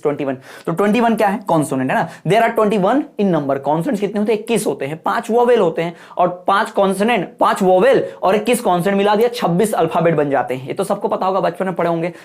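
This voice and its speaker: A man's voice: high-pitched, darkish tone. A male teacher giving an exam-prep lecture, explaining points over and over and checking that listeners follow, calling them "brother". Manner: repetitive explaining with frequent rhetorical checks; folksy, addresses viewers as brother.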